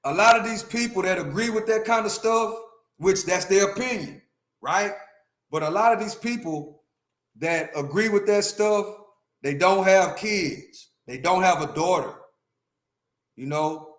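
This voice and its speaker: In a reverberant space, a man with a high-sitting voice speaks at a measured pace. He's a fifty-something livestream host delivering an opinionated, emphatic rant that repeats its points and is addressed straight to his chat.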